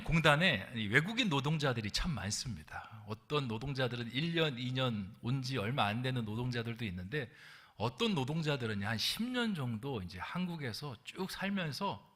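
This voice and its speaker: A man's voice: mid-range voice, pushed and bright. A male lead pastor preaching a sermon in a church, telling a funny story and asking rhetorical questions. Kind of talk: sermon with humorous anecdote. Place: church sanctuary.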